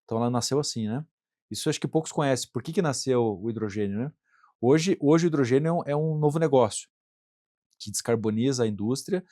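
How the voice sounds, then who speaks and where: In a dry, studio-quality recording, a mid-range, mellow male voice talks fast with a Brazilian Portuguese accent. He's a middle-aged Brazilian plant manager at an industrial facility, earnestly working through interview answers out loud, frequently checking in with tag questions and repeating himself.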